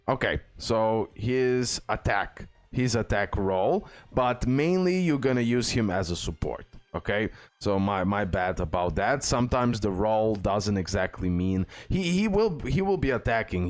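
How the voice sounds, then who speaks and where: A man giving a casual, off-the-cuff game tutorial as host, explaining step by step and often checking in with the listener. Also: on the low side. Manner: explanatory, repeatedly checking in with "okay?". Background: music.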